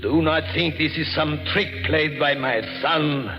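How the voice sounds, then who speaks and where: A man's voice: on the high side, fairly even intonation. An actor playing a murdered father's vengeful spirit, solemn and demanding, in old-time radio horror. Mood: stern, accusing. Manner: slow, solemn, demanding, theatrical. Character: dead father's vengeful spirit speaking through his son. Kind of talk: 1940s radio horror acting. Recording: muffled old radio recording with music.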